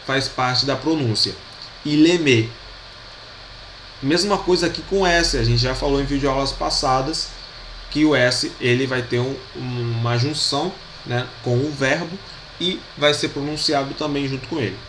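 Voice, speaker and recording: Teaching French grammar on video, a Brazilian-accented man speaks at medium pitch with a somewhat bright tone. He repeats every pronunciation patiently and keeps making sure his students follow, in a roomy space with a faint hum.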